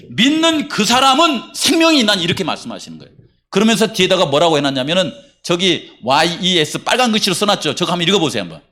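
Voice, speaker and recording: A middle-aged male pastor giving a conversational sermon in a church, asking the congregation questions as he talks. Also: high-pitched. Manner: conversational, animated preaching with rhetorical questions to the congregation. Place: church sanctuary.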